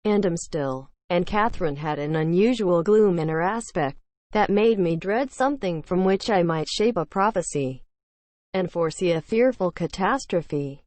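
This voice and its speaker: Low-pitched woman reading a classic novel, dry sound. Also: lively intonation, moderate pace, a little mellow, dry recording. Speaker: audiobook narrator. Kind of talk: scripted narration of a classic novel.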